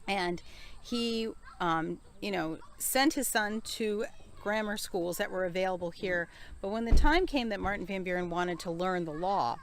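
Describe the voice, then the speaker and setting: A woman's voice: mid-range voice, a little slow, slight background noise. American woman guiding an outdoor walk. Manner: explanatory, with asides and self-corrections. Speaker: tour guide. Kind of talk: outdoor walking tour talk. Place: village street outdoors.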